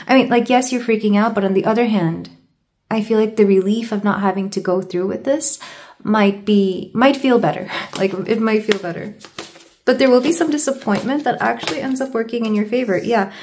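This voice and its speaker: A woman's voice: medium pitch, a little mellow. A woman giving a tarot card reading to her viewers, stumbling over her words and sounding congested from a sore throat. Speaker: tarot reader.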